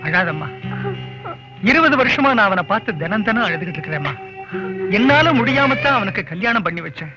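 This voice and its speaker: An older uncle worn down by years of worry, who coaxes and pleads with his family. His voice sits fairly high, and it is heard over a muffled film soundtrack with loud music behind it. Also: sing-song, fairly quick. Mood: pleading. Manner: coaxing, earnest. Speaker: film character. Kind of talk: film dialogue. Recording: dull film audio with music.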